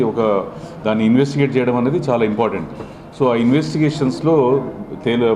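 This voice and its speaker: A man's voice: medium pitch, a little mellow. A man, a doctor, explaining a medical case to a reporter, mixing in English terms with many fillers.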